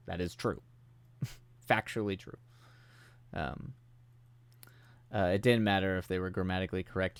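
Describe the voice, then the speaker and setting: A man's voice: lowish voice, dry recording. A man hosting a live writing stream, chatting casually and rambling with a self-deprecating humor, while he's coming down with a cold and his voice is starting to go. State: getting sick, voice starting to go.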